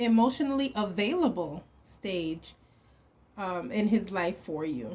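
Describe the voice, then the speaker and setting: Fairly slow and somewhat breathy, a woman with a New York accent swings her pitch very widely. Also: medium pitch for a woman. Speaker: psychic reader. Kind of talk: tarot reading commentary. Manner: casual, conversational with fillers.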